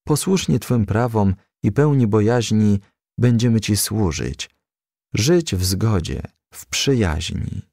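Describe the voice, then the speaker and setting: A man reading a children's story aloud as a scripted narration, in an expressive, measured storytelling manner. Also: fairly low pitch, creaky, dry recording, studio quality. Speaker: audiobook reader.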